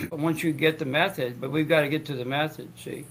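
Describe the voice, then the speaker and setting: Gravelly stammering male talk host. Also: on the high side, fairly even intonation, moderate pace, a bit bright, low-quality recording. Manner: stammering, restarts often; joking asides. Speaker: show host. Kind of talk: rambling esoteric talk.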